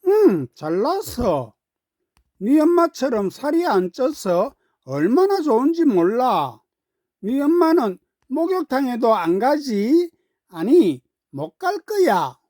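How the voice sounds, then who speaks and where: A woman voicing a smug young schoolgirl in a children's story, teasing in a mocking, drawn-out way. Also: high voice, sing-song, warm tone, no room sound, studio quality, voice pushed up, heavily acted.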